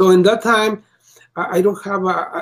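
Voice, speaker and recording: A man with a Spanish accent and a high pitch. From Mexico. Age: 60s. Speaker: Freemason. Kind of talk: interview. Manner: halting.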